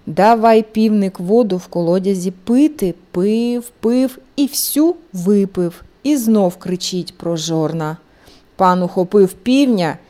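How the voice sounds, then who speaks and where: A woman telling a fairy tale to small children at bedtime, in a lively, singsong storyteller's way. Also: mid-range voice.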